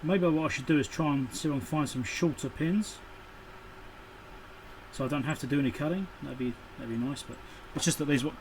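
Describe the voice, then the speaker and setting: Man talking casually over steady background noise. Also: on the high side, brisk, rough recording. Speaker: electronics repair channel host. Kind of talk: casual narration of hands-on soldering work. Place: indoor electronics workbench.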